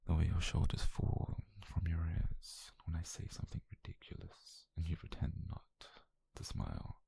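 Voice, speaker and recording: A British man playing an obsessive, possessive mafia boyfriend, calm and dangerous, in a slow, controlled, breathy half-whisper for an intimate ASMR roleplay. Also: sits low, no room sound, exaggerated voice. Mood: possessive tenderness. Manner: slow, controlled, menacingly tender murmur. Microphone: close microphone, dry.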